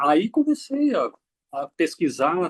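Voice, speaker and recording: A man speaks with lively intonation. His voice sounds dry and close, with no echo. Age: 60s. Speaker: retired violin student. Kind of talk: casual interview. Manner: halting.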